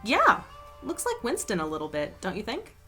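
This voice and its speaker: A woman's voice: mid-range voice, huge pitch swings, moderate pace, pushed and bright, soft background music. A woman playing a brash, playful, fashion-loving young friend in an audio drama. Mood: gleeful, showy.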